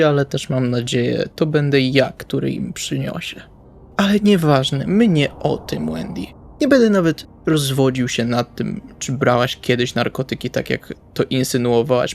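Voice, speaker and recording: A man's voice: mid-range voice, vocal fry, lightly acted. A man playing a blunt, jaded but protective ex-military vampire who swears, in an improvised roleplay audio drama.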